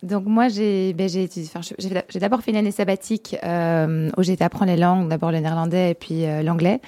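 Young Belgian woman guest, soft and low, mellow, dry close sound. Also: fairly even intonation, quick pace, dry recording. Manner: soft-spoken, frequent "euh" fillers. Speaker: guest entrepreneur. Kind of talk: interview answers.

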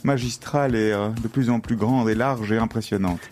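A man's voice: lowish voice, fairly even intonation, brisk, darkish tone. A man co-hosting a radio show with casual banter. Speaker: radio co-host.

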